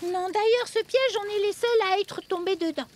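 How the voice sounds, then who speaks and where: A woman's voice: very high voice, normal speed, a little hiss or hum. A woman voicing a polite, reassuring little girl with playful theatrical airs in a children's cartoon dub. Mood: earnest.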